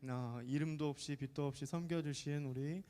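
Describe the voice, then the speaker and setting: A man in his thirties preaches to a middle-school youth group, his voice sitting a little high. He talks in a chatty, joking way and keeps asking the teenagers questions. His words ring with the long reverb of a church sanctuary. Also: fairly even intonation, normal speed, warm tone. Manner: chatty, jokey, often asks the congregation questions. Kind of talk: lively sermon to teenagers.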